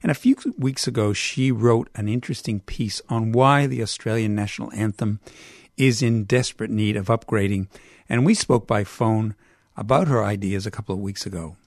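Canadian male radio host: low-ish, dry studio sound, measured with fillers. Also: darkish tone, dry recording. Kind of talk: radio interview.

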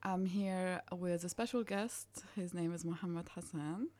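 A woman with a slightly low voice hosts a community radio show. She talks in a relaxed, chatty way, leaning on fillers and friendly agreement. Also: unhurried. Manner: warm, chatty, many fillers like um and yeah. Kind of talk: casual radio interview.

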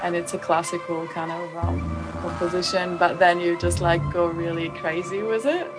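A woman's voice: on the low side, fairly even intonation, normal speed. A woman from Lebanon interviewing a musician in a casual chat, with many fillers and a chatty, friendly manner. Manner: chatty, with frequent fillers and laughs. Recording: music playing loudly behind.

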